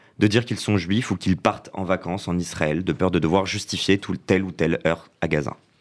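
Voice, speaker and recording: In a very clean recording with a silent background, a man talks at a moderate pace in a very deep, low voice. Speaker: student association officer. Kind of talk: scripted report.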